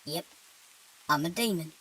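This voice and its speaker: A man voicing a tired, chatty male demon in a fairly high voice with a thick British accent, casual and rambling. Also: measured pace, sharp tone, slightly rough, exaggerated voice, poor audio. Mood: offhand. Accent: thick British (put on). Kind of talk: horror-comedy story narration.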